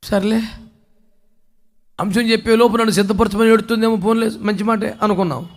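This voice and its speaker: A male pastor preaching a sermon, emphatic and scolding, firing off rapid rhetorical questions before exhorting his congregation. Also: high voice, fairly even intonation.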